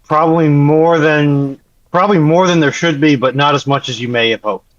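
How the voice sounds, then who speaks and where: A man's voice: a little high, moderate pace. A man chatting casually as a panel member, making wry, dry remarks. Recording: dull, lo-fi remote audio.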